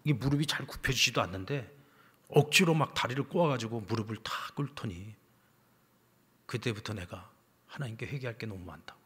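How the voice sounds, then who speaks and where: Man, pastor, husky voice, long echo of a church hall, storytelling sermon, loud then hushed. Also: medium pitch, fairly quick. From South Korea. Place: church sanctuary.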